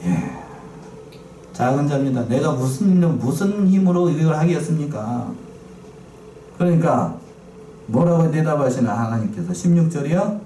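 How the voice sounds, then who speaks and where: With lively intonation, a moderate pace and long pauses, a warm-toned male pastor on the high side preaches to his church, often asking the congregation questions and repeating key phrases. The recording sounds roomy and far off, with faint noise.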